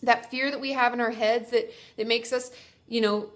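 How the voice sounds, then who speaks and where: Sounding congested, this young therapist offers friendly, reassuring advice to her viewers, fixing her own wording as she talks. Her voice is on the high side, steady in tone, at normal speed.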